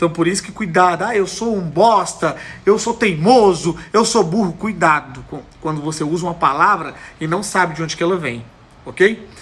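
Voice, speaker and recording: A man talks at a moderate pace in a high pitch. His tone is animated, and his pitch varies in an ordinary way. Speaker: digital marketing coach. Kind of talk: motivational livestream talk. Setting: live stream.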